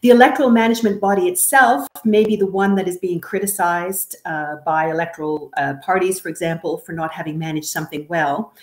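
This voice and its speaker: A woman from Canada speaking as an expert guest, giving measured, careful explanations in an interview. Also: lowish voice, fairly even intonation. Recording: roomy, echoey sound.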